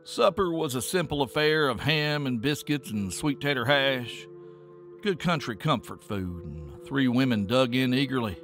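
A man narrating a scripted story in a measured, folksy way. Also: medium pitch, animated, fairly bright tone, soft background music.

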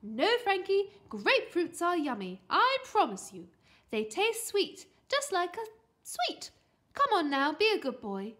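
A woman acts out a doting storybook mum who is eager to please. Her voice is high and bright, lilting up and down in animated, coaxing exclamations. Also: a little slow, heavily acted. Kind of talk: children's storybook character voice.

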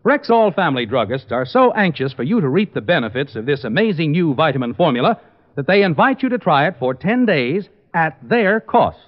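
An American man delivers an old-time radio commercial in announcer style. His voice is fairly high and lively in pitch, on a slightly dull vintage recording. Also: a little fast. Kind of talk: 1950s radio advertisement, scripted announcer read.

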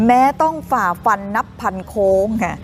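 A woman's voice: mid-range voice, big pitch swings, moderate pace, a little hiss or hum. A woman co-hosting a morning news show, chatting upbeat to viewers over travel footage. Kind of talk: casual live TV chat over travel footage.

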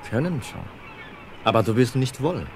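An actor playing a loyal, shrewd sailor who talks in a gruff, plain-spoken, wry way in a radio play. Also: male voice, mid-range voice, very animated, moderate pace, darkish tone, a little hiss or hum.

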